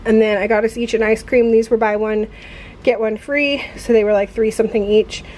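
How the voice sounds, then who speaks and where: A woman's voice: on the high side, fairly even intonation, fairly quick, darkish tone, slight background noise, rough recording. A woman in her thirties talking casually at home, rambling with fillers and restarts as she walks through her shopping. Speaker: vlogger. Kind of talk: casual haul vlog. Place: home kitchen, indoors.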